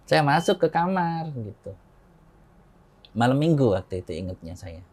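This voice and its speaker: A man in his forties from Indonesia, an interview guest telling a personal story in a relaxed conversational way, acting out quoted dialogue in a raised voice and chuckling often. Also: medium pitch, normal speed.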